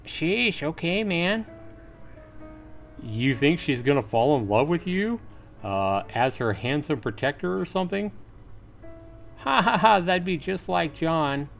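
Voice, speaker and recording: A man acts out a brash high school boy from a visual novel, teasing and slangy. The voice sits higher, pushed up into a mocking, jeering tone, with faint music underneath. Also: creaky, full character voice.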